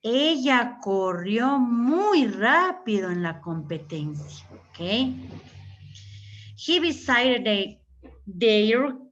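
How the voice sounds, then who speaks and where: Slow, patient woman teacher, muffled audio. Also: mid-range voice, fairly bright tone. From Ecuador. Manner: slow, patient, repeats words and checks with "¿ya?". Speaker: English teacher. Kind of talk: online class explanation.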